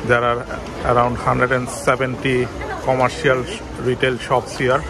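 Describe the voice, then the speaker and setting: A man giving a walking tour of a shopping mall, pointing out shops in plain, halting sentences with fillers. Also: medium pitch, monotone. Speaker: travel vlogger. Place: busy shopping mall, indoors. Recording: loud crowd and mall noise behind.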